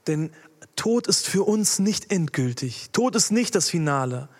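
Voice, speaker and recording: A man's voice: a little high, sing-song, a little slow, in a large hall. A man preaching a sermon with emphasis, putting direct questions to his listeners.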